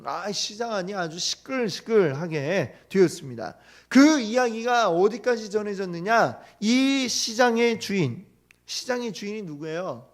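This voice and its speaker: A male pastor giving a teaching sermon in church, who often puts questions to the congregation and retells the story with lively quoted lines. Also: sits high, a little slow. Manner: asks the congregation frequent questions.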